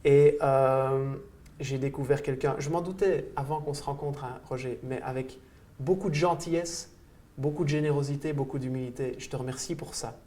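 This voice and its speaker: A man hosting an interview, enthusiastic and full of praise and quick interjections. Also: mid-range voice, fairly even intonation, warm tone. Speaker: host and coach. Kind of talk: interview host.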